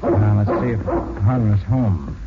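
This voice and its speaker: An American man playing a cool, confident private detective in a 1940s radio crime drama, brisk and matter-of-fact. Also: on the low side, loud music behind the voice, lightly acted. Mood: assured. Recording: noisy, muffled 1940s radio recording.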